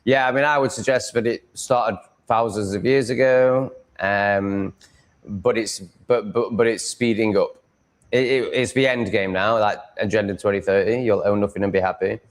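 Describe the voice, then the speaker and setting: A man's voice: lowish voice, steady tone, moderate pace. A man with a Yorkshire accent chatting casually as a livestream host, rambling in a blunt, crude, sweary way. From Yorkshire, England.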